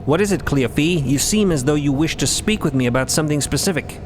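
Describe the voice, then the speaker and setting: Audio drama: robed mystic, male performer; formal, precise, courteous, higher male register; rumbling background. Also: quick pace, noisy background, natural voice. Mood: solemn. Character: solemn, courteous robed veiled mystic elder. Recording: steady rumbling ambience under voice.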